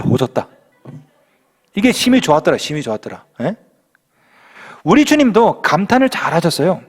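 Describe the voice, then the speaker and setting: Lively high-voiced male pastor preaching. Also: long reverb tail. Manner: lively, playful preaching with slang exclamations. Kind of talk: sermon. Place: church.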